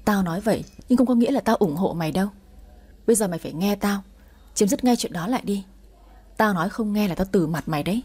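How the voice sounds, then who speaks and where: A woman's voice: medium pitch, animated, fast, a little mellow, husky. A woman voicing an angry middle-aged mother who scolds her grown daughter harshly. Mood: scolding.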